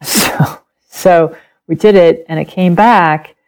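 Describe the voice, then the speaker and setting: Gravelly-voiced woman telling her family story. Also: on the low side, takes it slowly, poor audio. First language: German. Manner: animated, laughs often, acts out quoted speech. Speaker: podcast guest, author. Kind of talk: personal storytelling in an interview.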